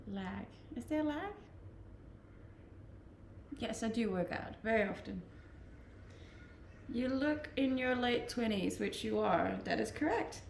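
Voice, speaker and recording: Her voice is a little high and creaky, slow and full of pauses, as this twenty-something Danish livestreamer reads out viewer comments. She's relaxed and chatty, laughing often. The echoey room adds a little hiss or hum.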